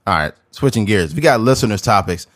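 Man, podcast co-host, casual rambling chat, lowish voice, dry close sound. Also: expressive, brisk, no room sound. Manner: loose, rambling talk with many "like" fillers.

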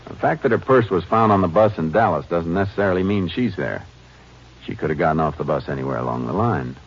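An actor playing a steady, shrewd Texas Ranger in a 1950s radio western, speaking in measured, folksy phrases. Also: male voice, deep voice. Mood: calm, pressing. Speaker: radio drama lead actor and narrator. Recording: muffled, noisy old radio recording.

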